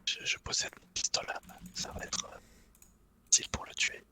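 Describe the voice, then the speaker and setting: A man whispering casual ASMR game chat in a breathy, unvoiced voice, with hesitant, trailing phrases. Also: moderate pace, sharp tone. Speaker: co-player in a duo game. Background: computer keyboard clicks and typing.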